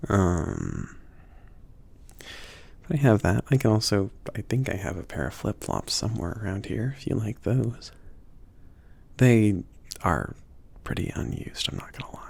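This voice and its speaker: Man playing a slow, husky, low-voiced mage shopkeeper. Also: big pitch swings, exaggerated voice. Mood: casual, helpful. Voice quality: soft, breathy, husky, often dropping to a whisper. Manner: hesitant, rambling, trailing off with small chuckles. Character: laid-back, obliging magic shop owner, a mage, gentle and rambling. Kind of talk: intimate ASMR roleplay.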